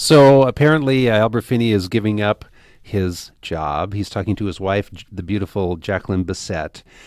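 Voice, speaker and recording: A man with a plain, everyday voice and fairly low pitch talks at a moderate pace. His pitch varies in an ordinary way, while his loudness swings widely. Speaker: radio movie show co-host. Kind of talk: casual chat.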